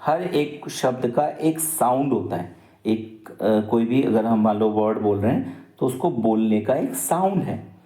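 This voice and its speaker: A man's voice: medium pitch, lively intonation, measured pace, dark tone, reverberant. A male teacher giving an exam-prep lecture, explaining patiently with repeated examples and switching into English sentences. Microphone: microphone.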